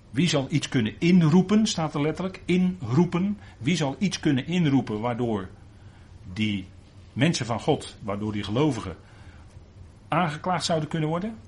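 Emphatic low-voiced male preacher. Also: slight background noise. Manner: earnest, emphatic, rises sharply on key words. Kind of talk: sermon.

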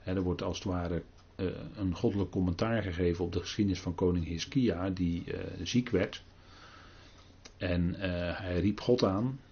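An older man giving a halting Bible talk, full of pauses and restarts. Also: deep voice, fairly even intonation, darkish tone, breathy edge, dull audio. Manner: halting, many fillers and restarts. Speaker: preacher.

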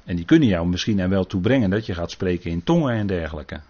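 A man's voice: sits low, lively intonation, fast, a little mellow, breathy edge. A man teaching a Bible sermon, earnest and cautious, often checking in with his listeners. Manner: frequent tag questions, earnest and cautious. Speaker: preacher. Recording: dull lo-fi recording.

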